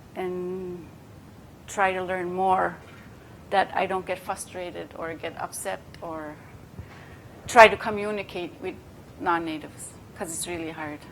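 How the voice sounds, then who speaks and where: In a Maritime Canadian accent, a woman speaks fairly slowly in a fairly low voice with monotone, flat intonation and audible room echo. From Mi'kmaq community, Atlantic Canada. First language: Mi'kmaq. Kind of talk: conference presentation. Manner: halting.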